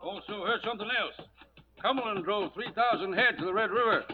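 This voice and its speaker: Man playing a high-voiced, wary rancher. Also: a little fast, lightly acted. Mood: wary, challenging. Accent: American. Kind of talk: 1940s radio western acting. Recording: dull vintage radio recording, faint noise.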